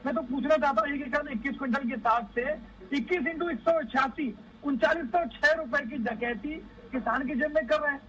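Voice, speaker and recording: Very high-pitched man in political debate. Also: fairly quick, a bit bright, slight background noise, rough recording. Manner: combative, accusing, pressing rhetorical questions. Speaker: opposition party spokesperson on a TV panel.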